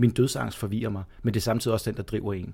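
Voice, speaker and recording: On a very clean recording with a silent background, a man's medium-pitched voice sounds somewhat breathy, with a dark, mellow tone. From Denmark, North Zealand (Holte). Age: middle-aged. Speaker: podcast host. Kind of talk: casual chat.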